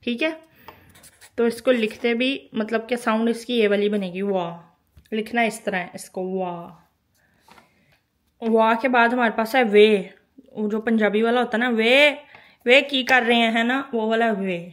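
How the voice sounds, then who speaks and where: A woman's voice: on the high side, fairly even intonation, moderate pace. A woman teaching a language lesson, patiently explaining and repeating each sound several times while she writes. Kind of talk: spoken lesson.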